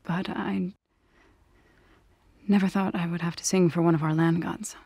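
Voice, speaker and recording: A solemn tribal grave singer from a video game, with a low, husky voice. She is gentle and earnest, choosing formal words with care. The sound is dry and close. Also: steady tone, no room sound. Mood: solemn, sorrowful. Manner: measured, earnest, formal phrasing. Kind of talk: video game character dialogue.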